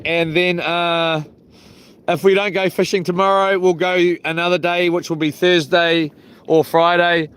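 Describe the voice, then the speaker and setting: A man's voice: high-pitched, flat delivery, unhurried, a bit bright. A man with a broad New Zealand accent, chatting casually and rambling along as he hosts a fishing livestream from a boat. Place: outdoors on a small boat. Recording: clear outdoor boat and water noise.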